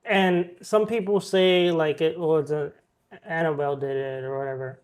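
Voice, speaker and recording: A man's voice: fairly high pitch, moderate pace, smooth. A man hosting a podcast, casually reading out news stories with plenty of ums and uhs. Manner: relaxed, reads headlines with filler ums and uhs.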